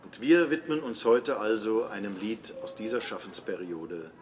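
A man's voice: on the low side, moderate pace, natural voice. A man playing a formal, ceremonious choir director who lectures his singers in a radio play. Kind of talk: radio play monologue as a rehearsal address. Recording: long hall reverb, background noise.

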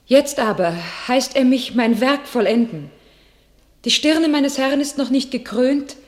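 An actress playing a devout young shepherd maiden turned warrior, speaking solemn, declamatory classical verse in a radio drama. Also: female voice, high voice, a little slow. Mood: proud, resolute.

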